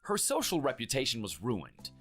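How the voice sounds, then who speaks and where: Guy narrating as an ex-husband telling how his ex got what she deserved, lively ups and downs, quiet music. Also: mid-range voice, normal speed. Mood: satisfied. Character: divorced man recounting his ex-wife's downfall. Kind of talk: scripted story narration.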